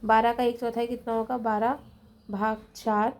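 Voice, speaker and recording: A woman teaching a children's math lesson, who explains slowly and patiently, counts items out loud and keeps checking in with her pupils, with a Hindi accent of Rajasthan. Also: fairly high pitch, flat delivery.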